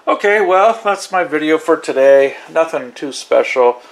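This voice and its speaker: A man talks casually through a hobby demonstration at a slow pace. He rambles a little, thinking aloud as he goes. It has the loose, informal feel of a home vlog. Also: on the high side, animated. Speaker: radio hobbyist demonstrating receivers. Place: small indoor radio desk.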